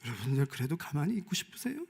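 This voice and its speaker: A man preaching a Sunday sermon as pastor, moving between quiet asides and loud, shouted calls. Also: on the high side, very animated, rapid-fire, gravelly, husky. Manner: swings from soft whispers to loud shouted calls.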